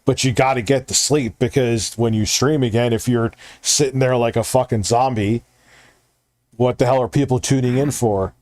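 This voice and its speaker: A man's voice: medium pitch, fairly even intonation, normal speed, a little mellow, no echo. A man hosting a livestream, talking casually and rambling, with lots of swearing. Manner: profane, rambling, conversational. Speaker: streamer and show host.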